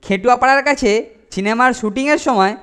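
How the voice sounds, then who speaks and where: A woman's voice: fairly high pitch, fast talker, fairly bright tone, clear, resonant tone, close to an everyday voice. A woman voicing a prying, sceptical schoolmate in a comic cartoon, needling and smug.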